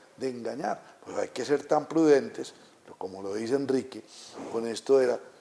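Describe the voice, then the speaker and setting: A man at a moderate pace. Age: 60s. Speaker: TV talk show host. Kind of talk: political talk show conversation. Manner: animated.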